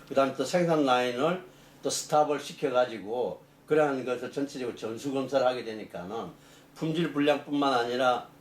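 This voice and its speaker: A man's voice: mid-range voice, brisk, reverberant. A middle-aged man, an engineering professor, answering interview questions in long explanations full of fillers and restarts.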